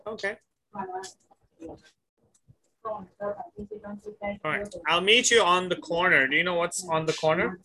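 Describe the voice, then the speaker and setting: A male English tutor with a very bright, sharp and fairly high voice, patiently walking a student through simple questions over a video call. He repeats and gently corrects her answers, praising her along the way. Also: slow pace, pauses often. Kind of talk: one-on-one online conversation lesson.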